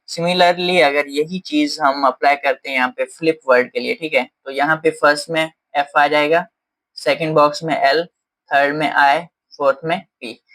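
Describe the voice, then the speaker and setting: Bright-voiced Indian man explaining a lesson. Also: on the high side, low-quality recording. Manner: explains step by step, with many fillers and Hindi mixed with English terms. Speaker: teacher.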